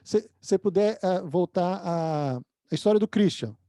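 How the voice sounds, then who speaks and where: A man's voice: high voice, a little slow, warm tone. A man interviewing a guest, polite and a little hesitant, mostly giving short replies. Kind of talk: casual interview.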